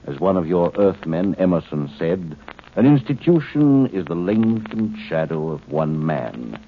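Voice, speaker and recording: Very low male voice, condescending alien commander, formal and measured, 1950s radio drama, tinny noisy recording. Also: sing-song, heavily acted. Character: coolly superior alien commander posing as a human man.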